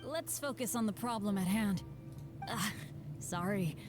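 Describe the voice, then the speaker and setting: A woman's voice: mid-range voice, a little slow, over music, natural voice. A woman voicing an earnest, good-hearted, unlucky teenage boy adventurer in a video game. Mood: thoughtful, eager. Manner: boyish, earnest. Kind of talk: video game character voice acting.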